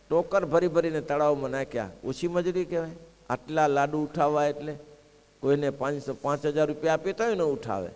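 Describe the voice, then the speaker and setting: Man preaching a sermon in a reverberant hall. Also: fairly high pitch. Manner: asks the audience rhetorical questions and acts out the quoted characters. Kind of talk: devotional sermon storytelling. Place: gurukul assembly hall.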